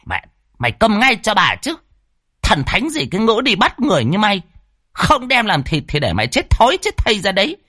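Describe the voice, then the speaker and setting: A foul-mouthed old woman exorcist, put on by a man telling the story barks threats in a high, shrill voice. She is bossy and coarse, her pitch leaping all over the place, with a dry, husky edge. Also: huge pitch swings, brisk, sharp tone, no room sound, heavily acted. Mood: scolding threats.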